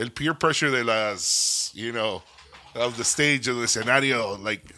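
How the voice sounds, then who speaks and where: A man with an American accent talks at a moderate pace, his medium-pitched voice bright and sharp in tone, with ordinary pitch variation. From Chicago, US. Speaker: podcast host. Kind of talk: casual chat.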